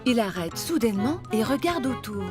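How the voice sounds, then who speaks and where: A woman narrating a children's cartoon in an expressive storytelling manner. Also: on the high side, moderate pace, over music.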